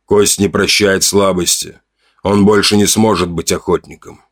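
A man voicing a grim, stern older tribal chief who speaks slowly and somberly. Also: low-pitched, steady tone, no room sound, studio quality. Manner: gruff, slow, somber.

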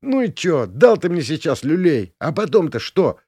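A man's voice: fairly high pitch, sing-song, moderate pace, a little mellow, breathy edge, dry recording, clean studio sound, voice pushed up. Man doing a brash drunk spoiled young man. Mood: arrogant. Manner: brash, whiny, threatening.

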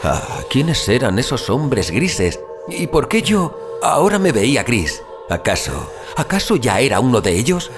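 A man playing a troubled wanderer who narrates a haunting dream in audio fiction, theatrical and suspenseful, with deliberate pauses. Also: mid-range voice, very animated. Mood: bewildered, eerie. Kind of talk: dramatic first-person audio fiction narration. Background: music.

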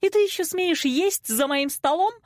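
A woman voicing a hysterical middle-aged mother in an audiobook, loud, dramatic and accusing. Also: on the high side, expressive, moderate pace, no room sound, clean studio sound, voice pushed up. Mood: furious. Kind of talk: audiobook character acting.

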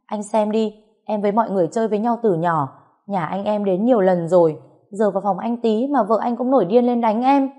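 A woman voicing a jealous, scheming young woman who whines and accuses in a high, shrill voice. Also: brisk, dark tone, lightly acted. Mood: whiny pleading.

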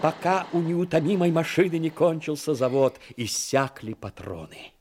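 A man's voice: fairly high pitch, moderate pace, darkish tone, a little hiss or hum. Male narrator of a dramatic story.

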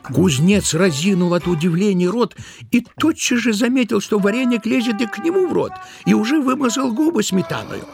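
A man narrating a literary tale in an expressive, theatrical storytelling style. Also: high-pitched, moderate pace, creaky. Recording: music behind the narration.

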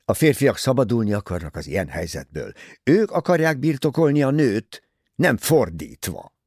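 Guy doing a nervous young husband, keyed up and higher, kinda gravelly, swings all over the place. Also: no room sound, studio quality, exaggerated voice. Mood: agitated. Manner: excited, pleading outbursts.

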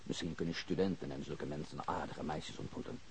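An actor playing a bitter foreign labourer in an audio drama, terse, hesitant and disillusioned. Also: male voice, extremely low pitch, brisk, slightly rough, heavily acted. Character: bitter foreign labourer, man, reluctant police witness.

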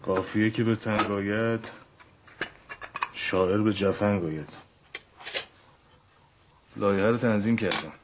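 An actor playing a husband who speaks in a dry, wry way and likes to quote proverbs, in a dull lo-fi recording with background noise. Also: male voice, fairly low pitch, fairly even intonation, long pauses, natural voice. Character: wry husband, a man drafting a legal petition. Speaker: actor in a TV drama.

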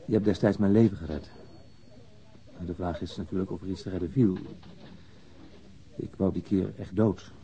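A man's voice: low-pitched, fairly even intonation, normal speed, long pauses, dark tone. An actor in a radio drama playing a subdued, guilt-ridden man who speaks hesitantly and with reserve. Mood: regretful. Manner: hesitant, reserved, brief replies. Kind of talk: naturalistic Dutch radio drama acting. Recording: dull, band-limited old radio recording.

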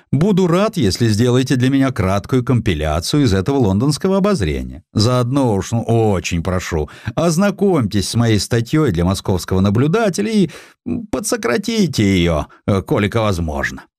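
A man's voice: mid-range voice, darkish tone, dry recording, studio quality, pitched above the performer's own voice, natural voice. A man voicing a busy, wheedling professor in an audiobook, flustered and pleading, full of self-pity. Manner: flustered, pleading, hurried self-pitying chatter. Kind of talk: audiobook character acting.

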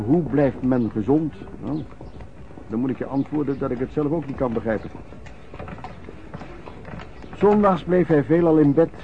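An actor playing an old vagrant in a radio drama, reminiscing in a colloquial, halting way and repeating words. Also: male voice, fairly high pitch, vocal fry. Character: old vagrant recalling wartime lodging-house life, earthy storyteller. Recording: muffled old radio recording, background noise.

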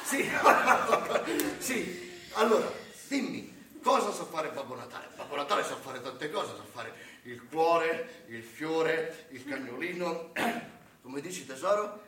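In a live theatre comedy monologue, a stage actor fully voices a frazzled, quick-tempered Santa, coaxing in a high, sugary tone that breaks into shouting. His delivery is slow and expressive, and the sound comes across distant, roomy, and noisy.

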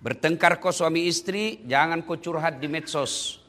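A man giving a lively, jokey wedding sermon and speaking straight to the couple and the guests. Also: on the high side, moderate pace. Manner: lively, jokey, addresses listeners directly. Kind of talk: humorous sermon. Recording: long hall reverb.

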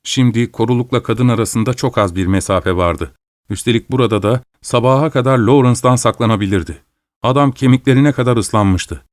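A man narrating a suspenseful story aloud at a measured, steady storytelling pace. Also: medium pitch, no echo, clean studio sound.

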